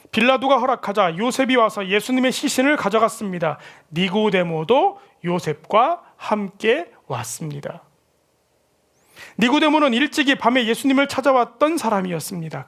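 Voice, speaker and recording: A man's voice: sits high, fairly bright tone. Brief: male pastor, sermon, conversational, asks the listeners questions.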